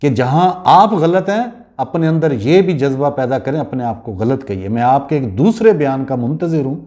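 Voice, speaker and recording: A man's voice: mid-range voice, mellow. A man from Pakistan, giving impassioned political commentary as a show's host. He lectures rhetorically and fires pointed questions straight at the person he addresses.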